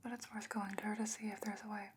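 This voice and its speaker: Whispering, calm fantasy sorceress played by a woman. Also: medium pitch, noisy background, natural voice. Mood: grave, caring. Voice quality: breathy whisper. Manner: hushed, measured, deliberate. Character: calm, knowing fantasy sorceress potion-maker. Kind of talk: soft-spoken whispered ASMR roleplay.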